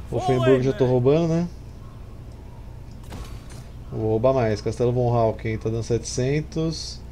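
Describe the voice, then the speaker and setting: A Brazilian man streams a strategy game with casual, slangy commentary. His voice is mellow and sits at an ordinary middle pitch. There is clear background noise around it. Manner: informal, slangy. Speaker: gameplay streamer. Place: small room indoors. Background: game sounds and ambience.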